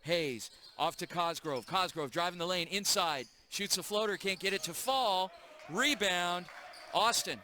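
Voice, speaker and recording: A man calling a live high school basketball game play by play in a gym, brisk and energetic. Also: a little hiss or hum. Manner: brisk, energetic call of the action. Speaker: play-by-play announcer.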